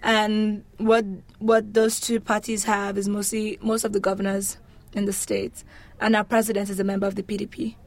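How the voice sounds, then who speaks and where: A woman's voice: medium pitch, little pitch movement, normal speed. A young woman from Nigeria answering interview questions in a conversational, explanatory and articulate way. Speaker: interview guest.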